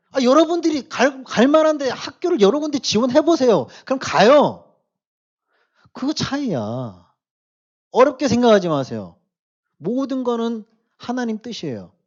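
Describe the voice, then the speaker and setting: A man preaching to a church youth group, shifting between quiet asides and loud emphatic exhortation, often asking his listeners questions. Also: sits high, dull audio. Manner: casual, speaks directly to the youth with questions. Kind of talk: sermon to teenagers.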